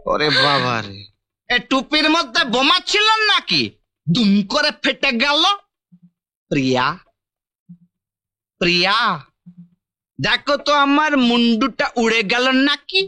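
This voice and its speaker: An actor playing a teasing, belligerent drunk husband in a broad film comedy, rambling and childish. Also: male voice, extremely high pitch, wildly swooping pitch, slow pace, pauses often, sharp tone, full character voice. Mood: tipsy pleading. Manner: belligerent drunk, rambling, taunting, sing-song. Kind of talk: broad comic film acting.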